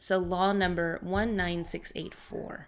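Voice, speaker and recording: This is a woman's voice. Its pitch is medium. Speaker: English teacher and expat vlogger. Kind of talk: informational talk to camera. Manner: casual, with frequent fillers.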